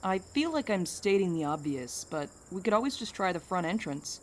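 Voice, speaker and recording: Audio drama role, female actor: pragmatic, protective woman, dry delivery, somewhat low register. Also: big pitch swings, normal speed, slight background noise. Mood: pragmatic, wary. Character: steady, pragmatic, protective woman, wryly skeptical. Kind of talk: naturalistic audio drama acting.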